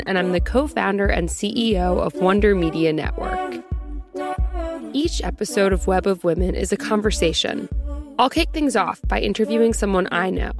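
A woman hosting a podcast, giving an upbeat scripted intro and then interviewing a guest. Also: medium pitch. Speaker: podcast host. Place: friend's apartment floor.

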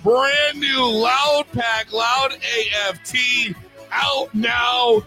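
A man hosting a podcast, hoarse and hyped, loudly signing off the show with slangy shout-outs. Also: extremely high pitch, animated, drawn-out words, loud music behind the voice. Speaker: podcast host.

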